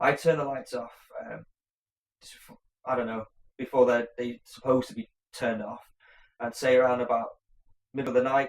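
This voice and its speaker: This man has a North Welsh accent and a medium pitch. He talks at a fairly quick pace. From North Wales. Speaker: aquarium hobbyist YouTuber. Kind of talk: live stream Q&A. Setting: live stream at home. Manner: loud; halting. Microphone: choppy audio, far from router.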